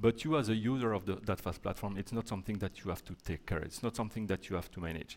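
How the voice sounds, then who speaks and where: Talking at a very fast pace, a man uses ordinary pitch variation with a French accent. The recording is very clean, with a silent background. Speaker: conference speaker, software developer advocate. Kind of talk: conference talk. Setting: stage with audience. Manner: halting, many fillers.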